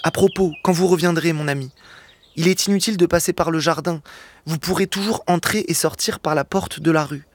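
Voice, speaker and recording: A man reading aloud as a gentle, serene old bishop who speaks calmly and kindly. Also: a little high, fairly quick, no echo, close to an everyday voice. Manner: calm, kindly, a touch solemn.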